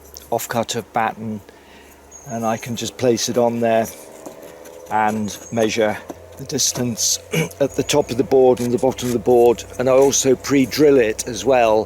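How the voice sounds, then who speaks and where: Flat, monotone speech with an English accent comes with long, frequent pauses and noticeable background noise. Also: man, medium pitch for a man, moderate pace. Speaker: woodworker. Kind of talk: tutorial. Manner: low energy.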